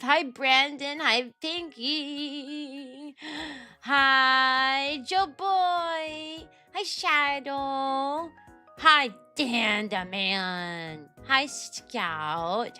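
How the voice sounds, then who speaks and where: A young woman chats casually with her stream, her high, bright voice worn raspy and tired. She talks in quick bursts and keeps stopping to greet viewers by name. Faint music plays behind her. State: voice tired from teaching. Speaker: VTuber streamer.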